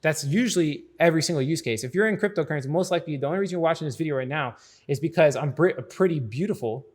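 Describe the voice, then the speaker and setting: A man with a voice pitched a little above average hosts a casual explainer. He talks informally and directly to his viewers, often checking that they follow along. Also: animated, rapid-fire. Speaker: host of a crypto explainer video.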